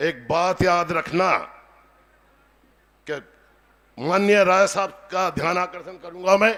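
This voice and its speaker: A man speaks at a high pitch. Long, frequent pauses break up his speech. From Chanderi, Madhya Pradesh, India. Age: 60s. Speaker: politician. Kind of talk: political rally speech. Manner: loud; animated.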